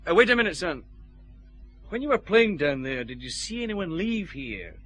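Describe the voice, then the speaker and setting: Glasgow chief inspector, terse, firm, bright. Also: male voice, sits high, very animated, normal speed, soft background music, exaggerated voice. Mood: questioning. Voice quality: terse, questioning. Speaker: police detective. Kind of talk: radio drama acting.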